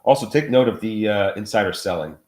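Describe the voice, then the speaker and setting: A low-voiced man who is sick and sounds muffled, as if he were speaking through a wall. He talks about trades in a halting, casual way, full of uh's and restarts, over roomy remote audio. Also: expressive, a little mellow. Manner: halting, with many uh fillers and repeats. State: sick, under the weather. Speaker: regular market commentator. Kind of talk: casual trading talk on a live show.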